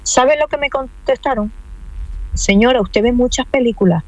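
A woman's voice: a little high, normal speed, a little mellow, no echo, rough recording. A woman in an interview telling her own story, earnest and insistent, repeating key points. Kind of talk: emotional personal account.

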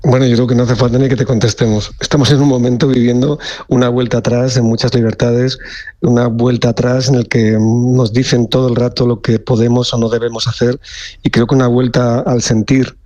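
Man with a flat, even delivery. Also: mid-range voice, fairly quick, no room sound. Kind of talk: radio interview.

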